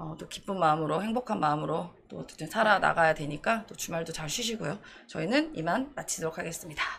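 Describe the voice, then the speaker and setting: Talking very fast with hardly any pauses, a woman with a fairly low voice swings a lot in loudness over light background noise. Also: ordinary pitch variation. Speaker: political commentator hosting a livestream. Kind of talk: casual political talk show. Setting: studio livestream. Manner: louder when angry. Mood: wry, warm sign-off. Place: studio. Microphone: studio mic.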